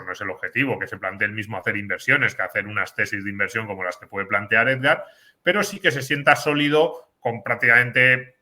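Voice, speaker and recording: A man from Spain talks through a course in an earnest, explanatory way, restarting words as he goes. His voice is very bright and sharp. The talk is casual, a panel conversation. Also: lowish voice. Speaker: course presenter.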